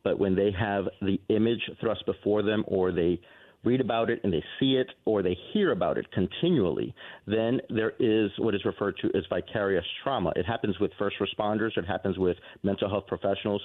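Low-voiced man on a glitchy phone line. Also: moderate pace. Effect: buzzy, glitchy cell phone line that breaks up. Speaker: counseling professor, radio guest. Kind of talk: call-in radio interview. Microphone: cell phone held to the ear. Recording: tinny, crackly cell phone call.

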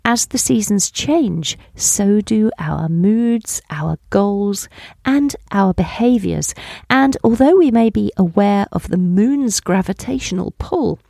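Softly spoken woman podcast host, slightly gravelly. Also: mid-range voice, expressive, slow, no echo, studio quality. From United Kingdom. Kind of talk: scripted podcast introduction and interview. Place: studio.

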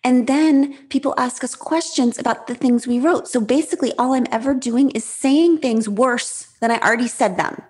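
Woman author, high voice, talks fast, lots of restarts, openhearted chatty guest. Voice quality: high-pitched voice. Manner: fast, animated, self-revealing, many restarts. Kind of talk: casual interview talk.

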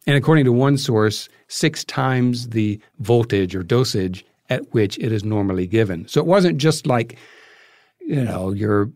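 A man's voice: mid-range voice, animated, measured pace, a little mellow, no room sound. A man giving a conversational explanation as an interview guest, choosing his words hesitantly and thoughtfully. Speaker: interview guest, filmmaker and podcast creator.

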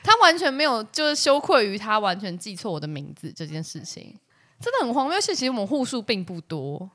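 A woman's voice: medium pitch, big pitch swings, brisk, pushed and bright. A woman with a Taiwanese Mandarin accent, co-hosting a casual comedy podcast, complaining in a wry, exaggerated way. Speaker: podcast co-host.

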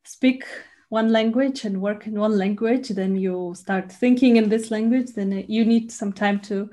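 Russian-born woman, measured interview guest. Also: medium pitch, steady tone, warm tone. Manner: measured, with frequent pauses and fillers. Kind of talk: conversational interview.

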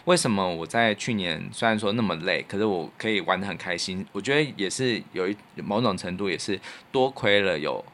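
A man's voice: low voice, expressive, a little fast, hardly any pauses, fairly bright tone. A man with a Taiwanese Mandarin accent, co-hosting a podcast in a casual, reflective chat. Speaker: podcast co-host and radio producer.

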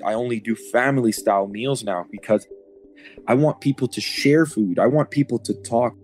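Male chef from Puerto Rico, mid-pitched, earnest interview talk, faint music under. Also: normal speed, darkish tone. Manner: earnest, reflective.

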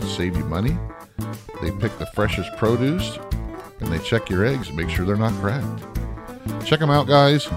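Easygoing middle-aged male podcast host. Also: lowish voice. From upstate New York. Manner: easygoing, rambling with fillers. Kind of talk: casual podcast chat.

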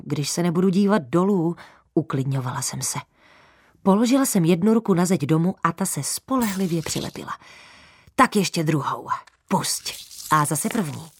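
A woman narrating a first-person children's story in a lively, confiding way, speaking straight to the listeners. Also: fairly low pitch, slightly rough, dry recording, studio quality.

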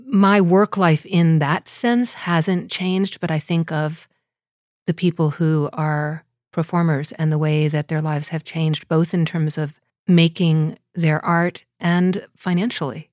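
A woman with a low voice hosts an interview. She talks thoughtfully and searches for her words. The sound is dry and close, with no echo. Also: steady tone, takes it slowly, darkish tone. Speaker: interviewer and writer. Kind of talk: conversational interview.

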